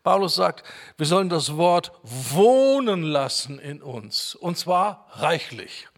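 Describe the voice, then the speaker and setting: High-pitched guy preaching, hammers on key words, slows down for bible verses. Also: sing-song. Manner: emphatic, repeats key words, quotes scripture slowly. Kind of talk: sermon.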